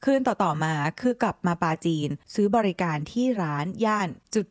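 A woman's voice: fairly low pitch, expressive, moderate pace, no room sound. Brief: woman storyteller, sassy asides, dry close sound. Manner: sassy, addresses listener as girlfriend. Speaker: storyteller reading a forum post. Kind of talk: reading a story aloud with chatty asides.

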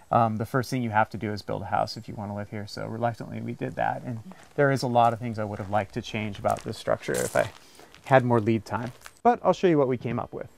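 With a mid-range voice touched by vocal fry and slight background noise, a man in his forties shows off his small farm indoors and out. The American farmer and craftsman is earnest and practical, explaining his handmade off-grid setup step by step on a casual tour.

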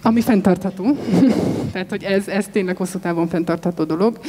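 A woman's voice: on the low side, husky. A woman in her thirties, a farmer on an expo stage panel, answering thoughtfully with handheld mic and frequent hesitations. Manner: thoughtful, steady, many hesitations. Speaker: vegetable community farmer, panel guest. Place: large expo stage with sofas. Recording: long hall reverb.

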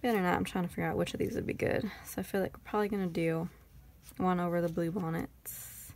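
Gravelly-voiced Texan woman, chatty. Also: fairly low pitch, steady tone, fast, darkish tone, a little hiss or hum. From Texas. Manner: rambling, chatty, thinking aloud. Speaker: planner vlogger. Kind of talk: casual haul chat.

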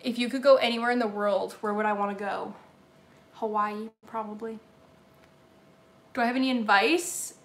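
A woman's voice: medium pitch, steady tone, normal speed, pauses often. A young woman with a Southern accent chatting casually on a live stream from her home kitchen, answering viewer comments while she bakes. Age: young adult. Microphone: laptop or phone camera at table distance. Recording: echoey kitchen room sound.

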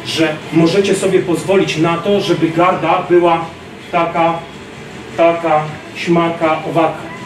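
A man in his thirties giving an animated self-defense lecture to a class, acting out street scenes, filmed by a distant camera in a large gym. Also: high voice. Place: large gym hall, indoors. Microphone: far camera. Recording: roomy gym echo from far off.

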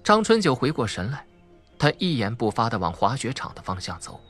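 A man's voice: mid-range voice, very animated, fairly quick, fairly bright tone, faint music behind. A man with a Mainland Chinese Mandarin accent narrating a suspense audiobook in a theatrical, dramatic way. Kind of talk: dramatic scripted narration of a crime thriller.

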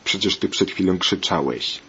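A man voicing a stern, worried father who scolds his son, in a steady, insistent tone. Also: sits low, normal speed, highs cut off, a little hiss or hum. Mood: scolding.

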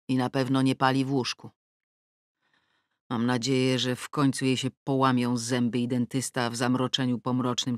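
A woman's voice: very deep voice, no room sound. A middle-aged woman narrating a first-person audiobook with wry irony and wide swings in tone. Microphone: close studio mic. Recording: dry studio recording.

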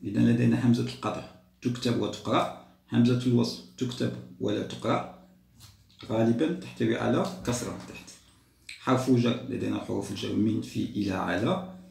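A man teaches a primary-school grammar lesson, repeating words slowly and patiently. His voice is mellow and gravelly, with a noticeable roomy echo. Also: medium pitch, a little hiss or hum.

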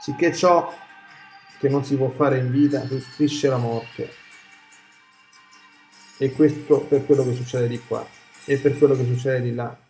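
A man reading aloud the words of Jesus as a grown man speaking tenderly to his daughter, in a solemn, measured devotional way. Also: medium pitch, steady tone, a little mellow, lightly acted. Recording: echoey room with faint music.

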